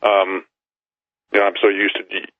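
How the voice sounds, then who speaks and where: A man's voice: low voice, completely flat delivery, moderate pace, dry recording. A man of sixty hosting a radio interview, asking polite, rambling questions with many fillers. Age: 60s. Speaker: radio host. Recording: tinny phone line.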